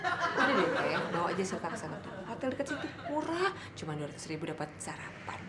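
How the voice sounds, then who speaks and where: Brief: dismissive, stingy wife, lively pitch, noisy recording. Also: female voice, fast talker. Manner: dismissive, mocking. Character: stingy, sharp-tongued wife Ranti.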